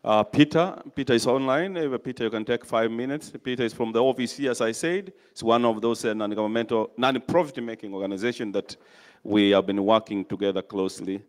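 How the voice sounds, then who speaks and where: A man chairing a meeting, introducing speakers in a lively, announcing manner. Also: medium pitch, brisk. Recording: echoey hall.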